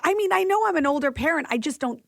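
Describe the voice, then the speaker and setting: A woman's voice: sits high, animated, fast talker, gravelly, dry recording, clean studio sound. A woman in her forties co-hosting a radio show, telling a story in a chatty way and laughing often. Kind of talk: casual radio chat. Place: radio studio.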